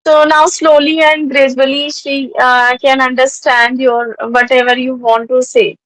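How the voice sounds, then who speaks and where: A woman's voice: sits high, level tone, measured pace, fairly bright tone, no echo, poor audio. A woman with an Indian accent from North India, chatting in conversation practice, hesitant with frequent fillers. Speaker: tutor practicing English conversation.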